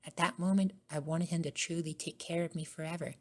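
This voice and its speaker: A woman narrating a scripted first-person ASMR story in a soft-spoken way. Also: on the low side, fairly even intonation, a little fast. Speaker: narrator and voice actor.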